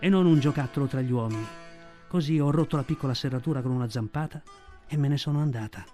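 A man's voice: medium pitch, quick pace, mellow, soft background music, close to an everyday voice. A man reading the part of a black female panther, speaking tenderly and proudly in an audiobook. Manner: tender, grave storytelling tone.

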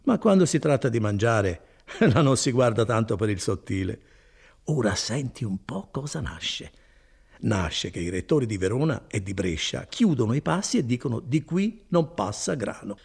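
A man doing a chatty old cousin, gravelly and lively. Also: on the low side, exaggerated voice. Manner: animated, folksy storytelling with chuckles. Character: chatty good-hearted older male cousin, a mill foreman.

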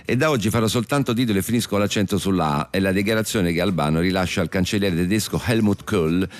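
A man hosting a radio comedy show, reading a scripted comic piece deadpan. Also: deep voice, fast talker.

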